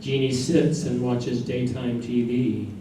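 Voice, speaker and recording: A man's voice: medium pitch, fairly even intonation, takes it slowly, mellow, lightly acted. A man reading as an ensemble narrator in a scripted staged play reading. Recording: very echoey stage, distant mic, noise.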